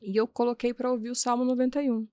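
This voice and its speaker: Earnest woman recounting events, slightly high. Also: level tone, mellow, smooth, no echo. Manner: earnest, recounts events step by step with reported speech; frequent restarts and halting repetitions. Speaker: interview guest. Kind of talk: personal storytelling in a podcast interview.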